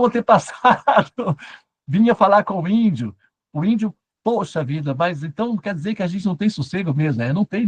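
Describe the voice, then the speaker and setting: A man giving a satsang talk as a spiritual teacher, telling stories with humor and asking himself questions. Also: fairly high pitch.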